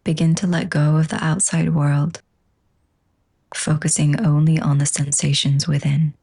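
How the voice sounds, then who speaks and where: A woman teaching yoga nidra, leading a slow guided relaxation in a soft, breathy, husky voice with a gentle, hushed, soothing manner. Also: deep voice, flat delivery.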